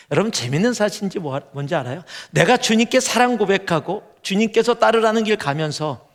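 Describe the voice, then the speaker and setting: Male pastor, middle-aged, sermon delivery, high-pitched, long hall reverb, shifts from hushed to animated. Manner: swings from hushed earnest lines to loud animated storytelling. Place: large church sanctuary.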